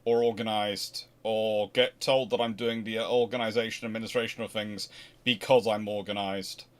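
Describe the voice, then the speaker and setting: A man's voice: on the low side, normal speed. A man hosting a casual question-and-answer stream, talking in a rambling way, often restarting his sentences. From Scotland. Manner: rambling, self-correcting, animated asides. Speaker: host answering viewer questions. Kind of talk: casual livestream Q&A.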